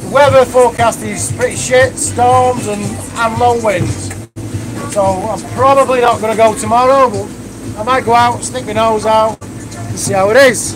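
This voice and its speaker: A man speaks at a moderate pace while clear music plays in the background. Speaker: boat owner vlogger. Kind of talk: casual vlog chat. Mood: relaxed, upbeat. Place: boat. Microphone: phone near.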